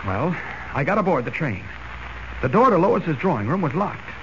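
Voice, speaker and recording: An actor playing an earnest young newspaper reporter who talks urgently and stammers when cornered, in 1940s radio acting. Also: male voice, on the high side, very animated, normal speed. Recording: dull, hissy old radio recording.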